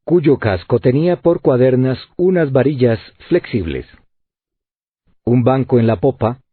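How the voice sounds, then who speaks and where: A man reading a novel aloud as an audiobook narrator, in an expressive way. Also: mid-range voice, measured pace, husky, no echo. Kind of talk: scripted narration. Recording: tinny phone-like lo-fi audio.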